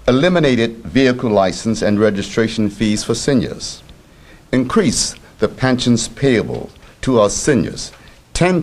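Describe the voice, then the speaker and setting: A man in his sixties reading a scripted political speech at a podium in formal, deliberate, measured phrases. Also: on the low side. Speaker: politician giving a campaign speech. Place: indoor press conference room at a podium. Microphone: several press microphones on a podium.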